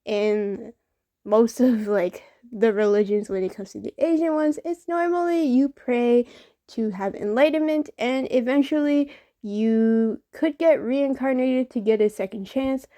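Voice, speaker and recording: A woman's voice: fairly high pitch, unhurried, warm tone, dry recording. A young woman chatting casually while she draws, rambling with many fillers and restarts. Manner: rambling, filler-heavy, self-correcting. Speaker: art vlogger. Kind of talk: casual chat while drawing.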